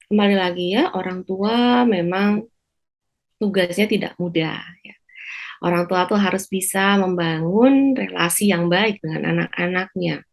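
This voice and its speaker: A woman psychiatrist explaining slowly on a talk show, with frequent pauses and fillers. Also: on the low side. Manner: measured, many hesitation fillers. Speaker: psychiatrist guest.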